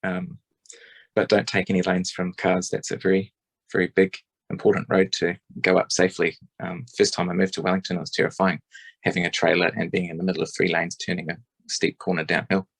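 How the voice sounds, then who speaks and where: A man's voice: low voice, flat delivery, brisk, gravelly, breathy edge, dry recording, low-quality recording. A man giving a rambling, hesitant spoken submission at a public forum, with many ums and restarts. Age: adult parent.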